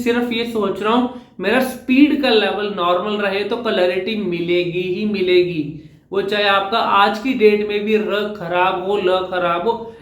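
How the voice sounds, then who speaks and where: A man's voice: high-pitched, a bit bright, reverberant. A man from India, speaking, coaching public speaking in a direct-to-camera lesson, explaining patiently, repeating his points and dropping in English phrases.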